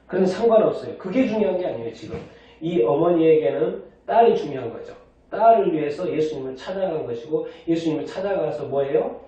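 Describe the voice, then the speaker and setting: A male pastor preaches in a church sanctuary, picked up from a distance in a lo-fi, echoey recording. His voice is fairly high for a man but mellow and soft in tone. He keeps asking the congregation questions and answers them himself. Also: animated, a little fast. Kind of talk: sermon.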